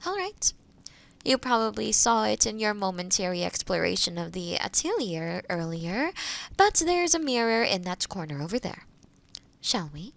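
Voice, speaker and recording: A woman playing a kind, gentle witch in a fantasy audio roleplay, speaking to the listener in a reassuring, explanatory way. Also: mid-range voice, gravelly, dry recording. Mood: gentle, attentive. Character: kind, gentle forest witch guiding a transformation.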